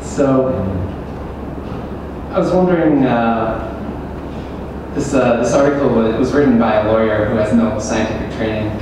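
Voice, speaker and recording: A young adult man, a student debater, posing measured leading questions with hesitant fillers. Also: medium pitch. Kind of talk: formal debate, cross-examination. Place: large echoey university hall. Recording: echoey hall, distant mic, background noise.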